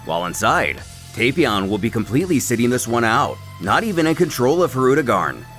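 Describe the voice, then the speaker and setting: A man narrates a scripted story recap with a wry, dramatic flair. His voice is bright and forceful, and his pitch moves around a lot. Music plays underneath him. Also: big pitch swings, a little fast. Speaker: narrator of a comic recap series. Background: background music.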